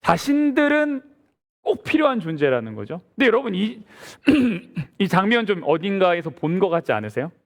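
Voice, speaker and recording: Male pastor, sermon delivery, higher register, very expressive pitch, questions the congregation. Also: normal speed. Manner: lively, asks the congregation rhetorical questions. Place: church sanctuary.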